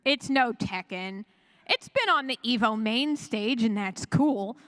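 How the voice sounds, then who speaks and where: A woman's voice: on the high side, a little slow, a bit bright. A woman speaking as a convention panelist, chatty and enthusiastic, rambling casually and often correcting herself. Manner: chatty and rambling, with frequent self-corrections and chuckles. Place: live panel room at a fan convention.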